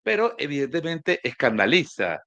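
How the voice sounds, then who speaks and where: A man's voice: a little high, big pitch swings, moderate pace, pushed and bright, no room sound. A man, commenting conversationally on politics as a talk show host.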